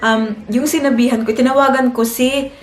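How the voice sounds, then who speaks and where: A woman's voice: high-pitched, steady tone, normal speed. A young Filipina woman telling a personal story in a chatty vlog, often turning to her viewers. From Philippines. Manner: chatty, keeps addressing viewers as guys. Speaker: family vlogger. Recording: echoey room with faint music.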